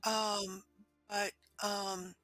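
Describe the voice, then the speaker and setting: A woman's voice: mid-range voice, flat delivery, extremely slow, a bit bright, dry recording, faint music behind. A woman playing a tabletop roleplaying game, telling a story in character in an earnest, hesitant way. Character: warrior woman telling of her mother.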